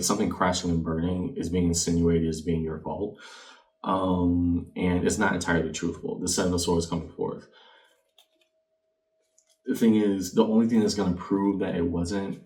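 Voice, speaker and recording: Male tarot reader, low-pitched, reflective and conversational, addressing the viewer; distant, echoing room mic. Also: darkish tone. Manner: reflective, speaks directly to the viewer. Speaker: tarot card reader and channel host. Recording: roomy, distant mic with background noise.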